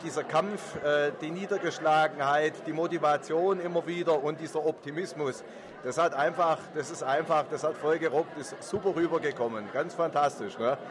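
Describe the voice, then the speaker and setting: A man's voice: a little high, normal speed. A man from a theatre audience, piling up effusive praise with frequent fillers. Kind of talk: vox pop interview. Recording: crowd chatter behind.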